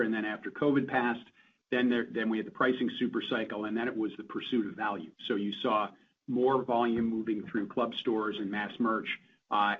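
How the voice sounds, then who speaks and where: A man speaking as a chief executive, giving assured explanations on an earnings call. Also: medium pitch. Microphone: conference call line. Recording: dull conference call line, faint noise.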